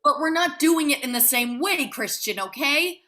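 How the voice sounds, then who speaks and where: A woman's voice: high voice, lively intonation, normal speed, sharp tone. A woman playing an indignant, proud young male grad student with cutting sarcasm in a dramatic table read. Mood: scornful, angry.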